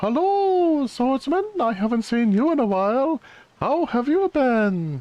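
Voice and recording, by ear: Speaking at a fairly slow pace, a man puts on a character voice pitched extremely high.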